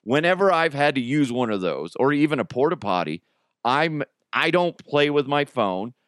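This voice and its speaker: A man's voice: mid-range voice, very animated, moderate pace, fairly bright tone, clear, resonant tone, no room sound, clean studio sound. A middle-aged man hosting a podcast as a casual, jokey solo monologue with crude humor. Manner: jokey, crude, acts out imagined exchanges. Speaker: podcast host.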